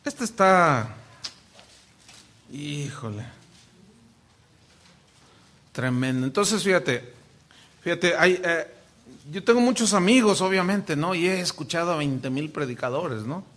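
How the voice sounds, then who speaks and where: A Mexican pastor teaches his class in a high, ringing voice. He jokes often and restarts his phrases. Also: normal speed. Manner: animated, joking, many restarts.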